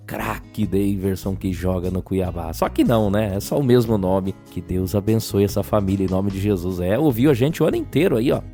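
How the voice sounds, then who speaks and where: A slightly hoarse Brazilian man hosting a casual religious radio show in a chatty way, often adding little tag questions. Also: fairly low pitch, dark tone. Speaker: radio host.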